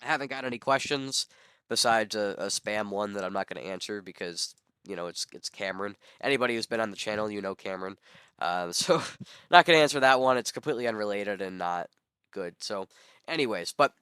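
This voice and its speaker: Young male solo podcaster, fighting a cold and hoarse, rambling with lots of ums, fairly low voice, dry close recording. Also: a little fast, bright, forceful tone, no echo. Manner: rambling, many ums and self-corrections. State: sick, voice hoarse. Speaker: podcast host.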